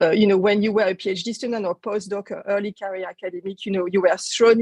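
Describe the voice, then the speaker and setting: A woman with a French accent, very fast and monotone with flat intonation, in a dry, close sound with no echo. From France. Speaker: researcher development consultant. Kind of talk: webinar presentation. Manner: halting, many repetitions.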